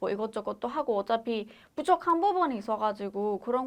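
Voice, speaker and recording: A woman's lively intonation comes at a moderate pace over a quiet background. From Iran. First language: Persian (speaking Korean). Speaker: aspiring rapper. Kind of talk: interview.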